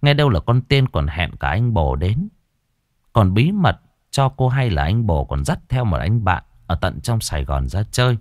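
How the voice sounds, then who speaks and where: Guy telling a ghost story, super lively up and down voice, dry close sound. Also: on the low side, moderate pace, no echo. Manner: dramatic, expressive storytelling.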